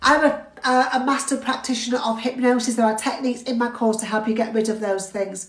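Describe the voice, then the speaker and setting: A woman with a British accent speaks at a high pitch and a moderate pace. Her intonation is fairly even, and room echo is audible. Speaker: driving theory test instructor. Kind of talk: live stream lesson. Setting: live video stream. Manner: chatty, hesitant with fillers.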